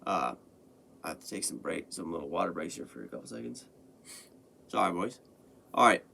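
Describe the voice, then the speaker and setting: A young man hosting his own sports podcast, talking casually and rambling with lots of fillers and restarts, his voice a little hoarse after being sick. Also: low voice, animated, fairly quick, bright, forceful tone, slight background noise. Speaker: podcast host. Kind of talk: casual sports commentary monologue.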